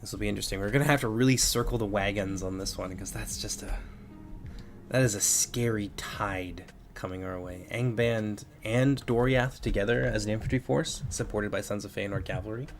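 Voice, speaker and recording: Man, stuffy and congested, gravelly low voice, relaxed game streamer, faint music behind. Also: fairly quick. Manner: relaxed, thinking aloud with fillers. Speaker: game streamer and mod developer. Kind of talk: live gameplay commentary answering chat. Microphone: headphones with mic at a computer.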